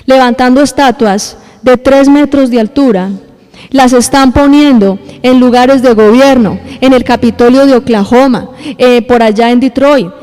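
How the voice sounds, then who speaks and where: A woman's voice: sits high, moderate pace, mellow, in a large hall. A woman pastor, preaching a sermon to her congregation and acting out little scenes for them. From Colombia. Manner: addresses the congregation directly, acts out little scenes. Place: church hall.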